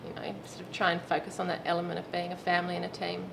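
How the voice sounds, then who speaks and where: Chatty woman, slightly low voice. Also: completely flat delivery, rapid-fire, creaky, music in the background. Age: 30s. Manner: chatty, laughs now and then. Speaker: roller derby player interviewee. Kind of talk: casual interview answers. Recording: noisy background.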